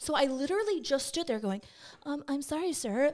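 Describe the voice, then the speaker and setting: A woman projects a raised voice with a bright, sharp tone and high pitch. Her pitch swings very widely at a moderate pace. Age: 40s. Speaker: makeup artist and podcast host. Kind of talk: casual podcast talk. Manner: chatty, candid.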